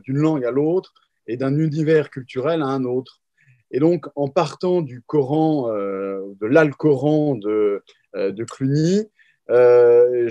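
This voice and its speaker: A male historian answering interview questions in a mellow, dark voice. He hesitates constantly, restarting phrases and filling gaps with "euh". The sound is dry and close. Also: a little high, dry recording. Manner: hesitant, many fillers and restarts. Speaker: historian guest.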